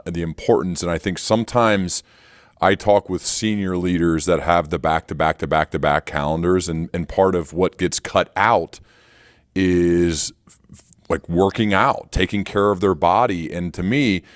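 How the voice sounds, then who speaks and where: A man's voice: sits low, no room sound, studio quality. A man hosting a podcast, speaking conversationally and emphatically, repeating phrases to press his point. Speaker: podcast host. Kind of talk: conversational interviewing.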